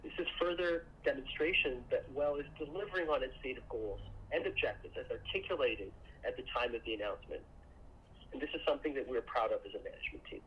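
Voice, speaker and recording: Dull, band-limited call audio with noise carries a man's mid-pitched voice. He speaks as a company executive, reading a prepared financial presentation. His delivery is formal and measured throughout. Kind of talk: scripted earnings call presentation.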